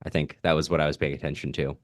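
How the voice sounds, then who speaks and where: Deep-voiced man hosting a bookish podcast. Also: little pitch movement, rapid-fire, no room sound, studio quality. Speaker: podcast host. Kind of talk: podcast commentary, reading listener comments aloud.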